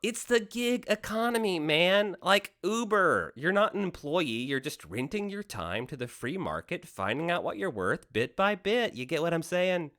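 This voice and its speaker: A man's voice: high-pitched, sing-song, moderate pace, hardly any pauses, fairly bright tone. An actor playing the Devil in a radio play as a slick, teasing, cynical deal-maker with theatrical salesman patter. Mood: breezy, showy. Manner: wheedling salesman patter, mock-casual, theatrical swoops.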